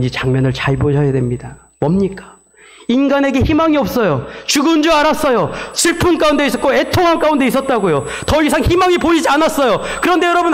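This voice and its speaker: Pastor preaching with a very high voice, animated and dramatic, mimicking sound effects. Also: male voice. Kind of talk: sermon.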